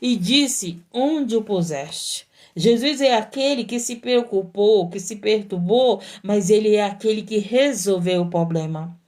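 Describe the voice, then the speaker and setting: A woman's voice: mid-range voice, a little slow, few pauses, darkish tone. A woman missionary preaching a sermon, fervent and repetitive, often breaking in with praise to God.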